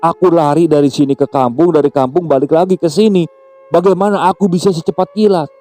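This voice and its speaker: A man's voice: mid-range voice, fairly even intonation, quick pace, mellow, natural voice. A man voicing a flustered young father who defends himself. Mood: exasperated.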